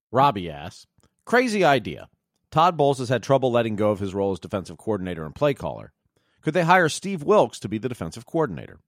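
Here a man talks at a very fast pace with vocal fry. His medium pitch moves in very wide swings. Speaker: sports podcast co-host. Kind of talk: casual sports chat.

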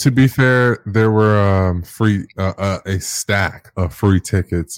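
A man talks with ordinary pitch variation in a dry, close sound with no echo. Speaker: soccer podcast co-host. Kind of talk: casual chat. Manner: venting, animated.

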